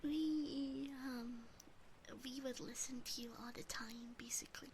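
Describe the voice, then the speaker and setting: Woman acting a high, sweet, whispering demon sister. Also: fairly even intonation, measured pace, slight background noise. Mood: adoring. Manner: soft, breathy, sweet, hesitant whispering. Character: cute, fretful, adoring yandere demon sister. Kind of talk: ASMR roleplay, mostly whispered. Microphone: close binaural ASMR microphone.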